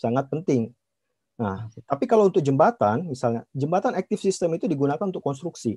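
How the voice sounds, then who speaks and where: Speaking very fast, a man with a fairly high pitch uses very wide pitch swings in a dark, mellow tone that is somewhat breathy, the sound dry with no echo. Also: quiet background. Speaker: engineering researcher and lecturer; lecturer. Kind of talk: lecture. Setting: video call. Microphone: video call.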